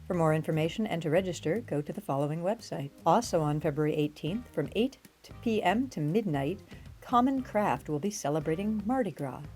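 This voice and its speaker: A woman presenting a community events calendar in a friendly, clear way. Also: deep voice, lively intonation, a little fast, a little mellow, soft background music. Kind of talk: scripted announcements.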